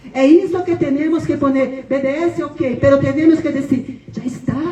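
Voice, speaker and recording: Amid noticeable background noise and audible room echo, a woman with a high pitch speaks at a fairly slow pace. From Brazil. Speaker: sociology professor. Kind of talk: conference talk. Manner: emphatic.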